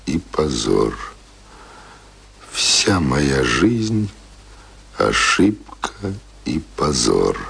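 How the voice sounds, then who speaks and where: An actor in a radio play playing a brooding, weary man in love, speaking in a bitter, theatrical, gravelly way. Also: a bass voice, fairly bright tone, full character voice.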